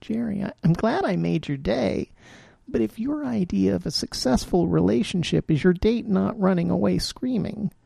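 A weary trans woman, tearful and self-mocking, as a male reader puts her on in a raised voice. The tone stays husky and gravelly, close and dry. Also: lively intonation, moderate pace, warm tone, no echo, heavily acted. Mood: wry disbelief. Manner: raised pitch, tearful, wry.

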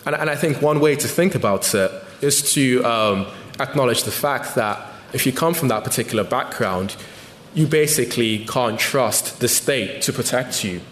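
A man's voice: medium pitch, moderate pace, fairly bright tone. A man, the guest author, giving a thoughtful public talk with frequent restarts and ums. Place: lecture hall. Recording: echoey hall with faint noise.

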